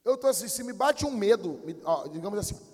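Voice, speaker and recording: A Brazilian pastor with a high, ringing voice preaches in blunt street slang. He drops to a low mutter and then bursts into shouting. His voice carries a long echo through the church hall. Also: expressive, brisk, husky. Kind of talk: preaching a sermon.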